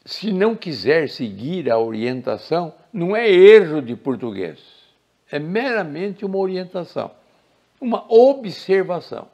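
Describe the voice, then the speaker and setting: Older man, grammar lecture, gravelly voice, animated pitch, emphatic and didactic. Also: highs cut off. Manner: didactic, deliberate, with emphatic rises on key words. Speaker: Portuguese grammar teacher. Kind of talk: recorded lecture.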